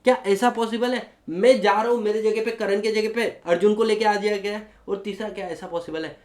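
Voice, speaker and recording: A man with an Indian accent teaching law to a class, animated and switching between Hindi and English, often asking students if they follow. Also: sits high, a little fast, reverberant. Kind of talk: classroom lecture.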